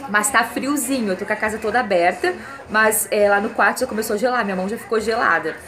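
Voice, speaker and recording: A woman's voice: medium pitch, fast, crowd noise. A woman, chatting casually to her phone camera while cooking and cleaning in her home kitchen, full of tag questions and fond diminutives. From southern Brazil. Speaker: home vlogger. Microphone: handheld phone camera.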